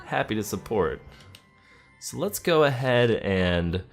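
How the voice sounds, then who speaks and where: Low-voiced man hosting a let's play. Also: expressive, slow. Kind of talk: game commentary, reading in-game text aloud. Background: game music.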